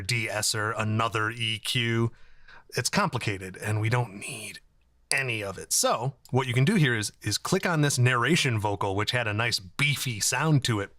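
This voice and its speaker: A man in his thirties hosting a casual software tutorial, explaining things in a conversational way. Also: medium pitch, no room sound, clean studio sound. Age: 30s. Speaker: tutorial host.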